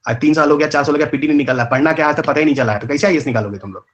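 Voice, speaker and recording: Dull audio with slight background noise carries this slightly high male voice. Speaking with a rural north Indian Hindi accent, he leads a live online exam-prep lecture in fast, colloquial Hindi mixed with English terms, scolding students and shooting out rhetorical questions.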